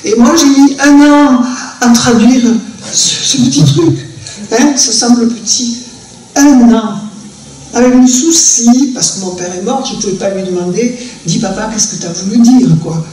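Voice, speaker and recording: A woman's voice: on the high side, measured pace, a little mellow, a little hiss or hum. Older southern French woman, very echoey and distant. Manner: earnest and reflective, with frequent restarts. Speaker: storyteller and translator guest. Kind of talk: conversational talk at a live event. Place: festival conversation venue indoors. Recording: very echoey room from a distant mic.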